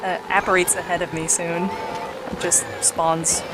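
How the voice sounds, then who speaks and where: A woman's voice: on the low side, level tone, unhurried, noisy background. A woman hosting a let's play with casual, joking commentary and some offhand swearing. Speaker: let's play host, playing the game. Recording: voice over game music. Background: game music.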